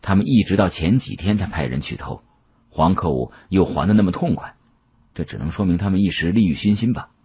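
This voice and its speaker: Low, very husky male storyteller. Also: lively intonation, fairly quick, lo-fi sound. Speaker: audiobook narrator. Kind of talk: dramatic first-person mystery novel narration.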